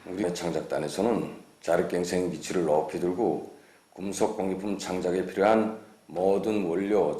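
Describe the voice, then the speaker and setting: A man's voice: deep voice, dark tone. A man with a North Korean accent giving a formal, prepared statement as an official in a news interview. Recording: echoey room news interview.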